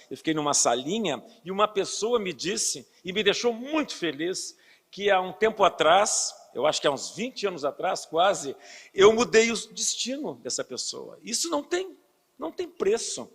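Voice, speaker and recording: A man in his sixties with a Southern Brazilian accent, his voice high and husky, speaks earnestly to a lecture audience. He explains health matters patiently and poses rhetorical questions along the way. The sound carries a long reverb from the hall. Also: sing-song, moderate pace, fairly bright tone. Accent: Southern Brazilian Portuguese. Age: 60s. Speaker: physician giving a lecture.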